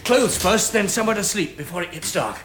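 A brisk, resolute British man surviving a catastrophe in a 1960s radio drama. His voice sits fairly high and moves freely up and down, commanding and practical, on a noisy old recording. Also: animated, fairly bright tone, reverberant. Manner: brisk, commanding, matter-of-fact.

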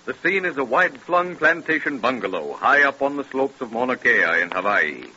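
A man's voice: medium pitch, very animated, moderate pace, sharp tone, dull audio. An actor playing a solemn narrator of 1930s radio mystery tales, formal and theatrical in his declamation. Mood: solemn, dramatic. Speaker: announcer and narrator. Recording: scratchy band-limited 1930s radio recording.

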